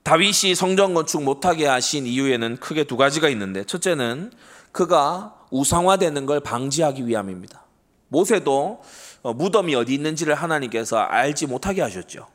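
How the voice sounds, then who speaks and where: A man's voice: fairly high pitch, lively intonation, moderate pace. A middle-aged man preaching a Sunday sermon to his congregation, earnest and emphatic, often asking rhetorical questions and answering them. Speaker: pastor.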